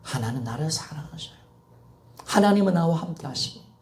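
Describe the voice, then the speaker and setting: A man's voice: a little high, animated, a little fast, crowd noise. A man in his fifties preaching a Sunday sermon in a church with passionate repetition and calls for an amen. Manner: impassioned preaching with repetition and call-and-response. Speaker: pastor.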